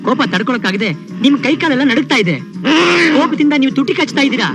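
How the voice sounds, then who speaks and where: A man's voice: very high-pitched, animated, quick pace, over music. An actor playing a young male prankster who keeps needling a man, insisting that he is angry. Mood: teasing. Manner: teasing, persistent.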